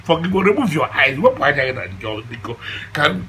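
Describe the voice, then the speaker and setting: A man's voice: on the high side, sing-song, fast, bright, forceful tone, a little hiss or hum. A man with a Nigerian Igbo accent playing a devout, easily indignant older father in a comedy film, theatrical and repetitive, mixing English and Igbo. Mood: pleading, fervent. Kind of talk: comedy film acting with loud pleading prayer.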